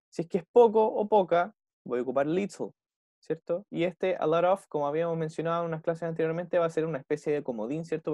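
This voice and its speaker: A man's voice: fairly high pitch, dark tone, dry recording. A young man with a Chilean accent teaching an online English class, explaining step by step and checking in with the students after almost every phrase. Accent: Chilean Spanish.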